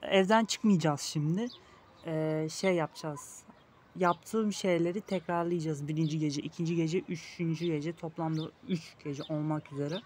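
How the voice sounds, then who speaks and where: A man's voice: fairly high pitch, fairly even intonation, moderate pace, darkish tone, a little hiss or hum. A young man hosting a casual let's-play, talking the viewers through the game and playfully teasing the game baby with mock insults. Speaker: gaming video host. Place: outdoors in a park.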